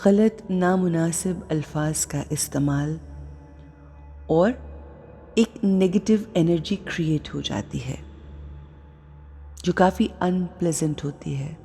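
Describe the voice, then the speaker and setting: A woman leading a guided meditation in a soft, soothing way, sometimes dropping to a whisper. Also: fairly low pitch, slow pace, long pauses, soft background music.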